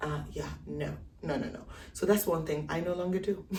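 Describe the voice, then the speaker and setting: A somewhat breathy woman speaks at a moderate pace in an animated tone, with audible room echo. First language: not English. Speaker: lifestyle vlogger. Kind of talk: casual vlog talk.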